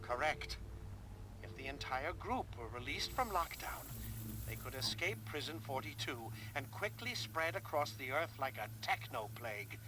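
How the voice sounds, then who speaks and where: An actor playing a grave, cerebral scientist with formal, precise delivery in a video game cutscene. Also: male voice, mid-range voice, sing-song, normal speed, natural voice. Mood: grave, analytical. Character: cerebral, grave male scientist explaining a threat. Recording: clear noise behind the voice.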